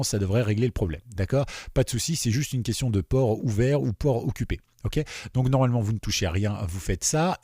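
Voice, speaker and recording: A man walking viewers through a software installation in a casual, chatty way, often checking in with "d'accord?". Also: mid-range voice, dry recording, studio quality. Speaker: webradio software tutor. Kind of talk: screen-recorded software tutorial.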